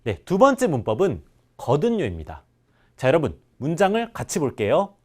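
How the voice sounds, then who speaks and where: A man teaching a language class, drilling example words slowly and clearly for his students. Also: on the high side, wildly swooping pitch. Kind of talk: classroom lesson.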